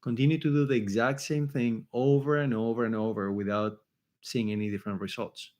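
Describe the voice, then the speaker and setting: A man's voice: medium pitch, fairly even intonation, brisk, a little mellow. A man with an Argentine Spanish accent, a career coach giving an online resume workshop, emphatic, repeating his points and checking in with "okay?" and "right?".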